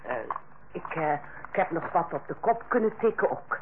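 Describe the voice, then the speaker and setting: An actress playing a proud, blunt, middle-aged head nurse with a curt, dry manner, in an old radio play. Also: female voice, fairly low pitch, animated, normal speed, background noise, close to an everyday voice. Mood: brisk, friendly. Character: proud, blunt, sharp-tongued female head nurse, an aunt. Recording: dull old radio recording.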